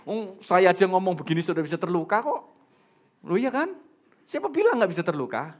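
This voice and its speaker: A man preaching in a church with a fairly high, highly animated voice that swings up and down. He asks the congregation questions and drops jokes as he goes. He talks to the room in a lively sermon style. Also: brisk. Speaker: pastor.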